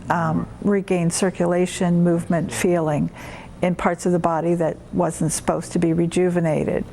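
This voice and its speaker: A woman's voice: lowish voice, little pitch movement, normal speed, creaky, warm tone, slight background noise. A woman answering questions in a television news interview, speaking about a friend.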